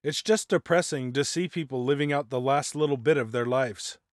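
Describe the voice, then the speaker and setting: A man's voice: mid-range voice, moderate pace, no room sound, studio quality. A man narrating a scripted first-person scary story as a guest narrator.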